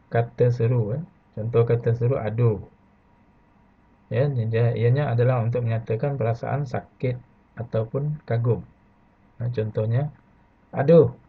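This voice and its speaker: A Malaysian man teaching an online lesson to primary pupils, patient and slow, adding "ya" after nearly every phrase. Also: mid-range voice, slightly rough. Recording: phone-like lo-fi audio.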